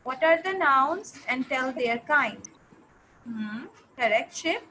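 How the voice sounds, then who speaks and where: A woman with a high voice and a South Asian accent leads a grammar lesson. She is instructive, often repeating phrases and checking that her class follows. There is slight background noise on the recording. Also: animated, takes it slowly, sharp tone, low-quality recording. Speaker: English teacher. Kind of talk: interactive online grammar lesson.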